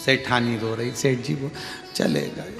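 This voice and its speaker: A man preaching a devotional story sermon, animated and dramatic, with sharp swings in loudness. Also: mid-range voice, measured pace, creaky. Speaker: katha preacher. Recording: echoey hall with faint music.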